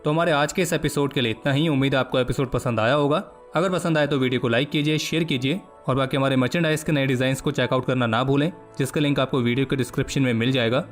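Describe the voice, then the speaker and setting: A man hosting a defence news roundup, reading scripted updates in a brisk, steady delivery. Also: mid-range voice, faint music behind.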